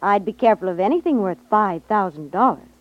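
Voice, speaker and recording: An actress playing a wary, anxious young daughter of a jeweler in a 1950s radio drama, speaking earnestly. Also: female voice, medium pitch, expressive, fairly quick, no room sound, natural voice. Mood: guarded. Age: young adult. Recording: dull 1950s radio recording.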